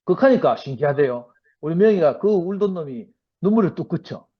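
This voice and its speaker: A middle-aged man with a Gyeongsang accent gives a testimony at a church gathering. His voice sits a little high, and he acts out the exchanges as he tells them. The recording sounds dull and lo-fi. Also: brisk. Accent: Gyeongsang Korean. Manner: animated storytelling, acts out dialogue. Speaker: church member giving testimony. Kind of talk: personal testimony at a church meeting.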